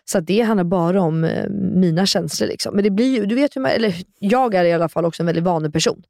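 A woman's voice: lowish voice, warm tone, no room sound, clean studio sound. A young woman co-hosting a podcast in casual chat, supportive and talkative. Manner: supportive listener, many "mm", chatty. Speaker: podcast co-host.

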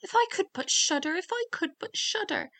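A woman's voice: very high-pitched, lively intonation, a little fast, a bit bright, pitched above the performer's own voice, exaggerated voice. A woman voicing a simple, stubborn, fearless young man in a fairy tale, speaking in a naive and emphatic way. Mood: wistful.

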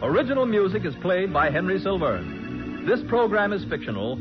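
Casting: male vintage radio announcer, fairly high and very animated, dull broadcast sound over music. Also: moderate pace. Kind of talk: 1940s dramatic scripted radio announcing.

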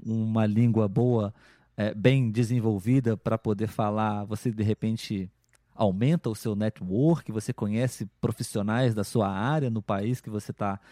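A man with a Brazilian Portuguese accent, hosting a podcast in a relaxed conversational way, thinking aloud with many "né?" tags and restarts. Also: on the low side, dry recording, studio quality. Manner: thoughtful, with frequent "né?" and restarts. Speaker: podcast host.

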